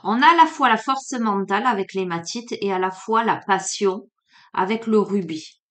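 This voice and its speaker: A woman with a faint southern French accent, from Marseille, doing a casual oracle card reading, hesitant and drowsy, with many pauses and fillers. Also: mid-range voice, a bit bright. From Marseille, France. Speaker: card reader.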